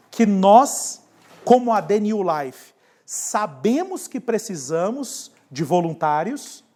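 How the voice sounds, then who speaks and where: A pastor gives a classroom lecture on leadership. His delivery is lively, and he keeps coming back to the same key words. He questions the class as he goes. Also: high-pitched.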